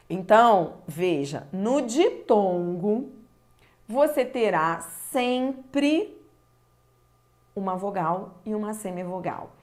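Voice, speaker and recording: A woman's voice: medium pitch, darkish tone. A Brazilian woman teaching a grammar lesson, stretching key words and speaking straight to the viewer. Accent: Brazilian Portuguese. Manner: slow and deliberate, stretching key words, addressing the viewer directly.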